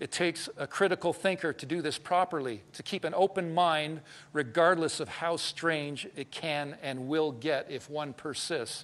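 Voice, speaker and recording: This voice belongs to a man. Its pitch shifts in an ordinary way. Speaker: presenter. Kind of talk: lecture. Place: hall.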